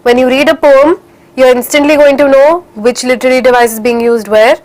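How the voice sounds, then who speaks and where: High-voiced Indian English woman teaching. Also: level tone, a little fast, a little mellow. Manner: encouraging, mixes English with Hindi phrases. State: slightly stuffy with a cold. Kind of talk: live online class for children.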